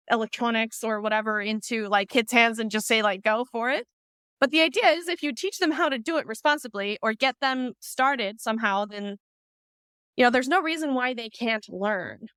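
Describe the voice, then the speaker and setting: A woman podcast host from Iceland, chatting in a lively, talkative way with lots of asides. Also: a little high, clear, resonant tone, no echo. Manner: chatty, lively, talks through ideas with asides. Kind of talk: casual conversation.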